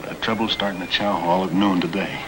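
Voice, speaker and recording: A man's voice: low voice, fairly even intonation, brisk, natural voice. Guy acting tough scheming convict, prison inmate slang, old 50s movie, real noisy soundtrack. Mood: conspiratorial, urgent. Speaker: actor in a prison drama. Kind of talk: 1950s black-and-white screen drama acting.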